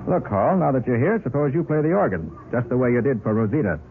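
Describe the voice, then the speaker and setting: An actor playing a brisk, confident master detective in a 1940s radio drama, giving orders with crisp authority. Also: male voice, medium pitch, very animated. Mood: commanding. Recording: tinny, hissy 1940s radio recording.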